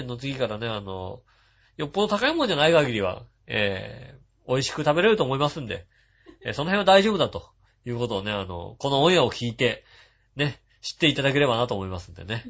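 A man hosting a radio show, reading listener messages and chatting about them in a relaxed, rambling way with frequent chuckles. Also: high-pitched. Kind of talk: casual chat. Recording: dull lo-fi sound.

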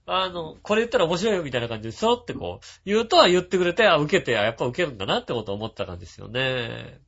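A man hosting a radio show, reading listener messages and chatting about them in a relaxed, rambling way with frequent chuckles. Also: on the high side, racing, gravelly, slightly rough. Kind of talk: casual chat. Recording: dull lo-fi sound.

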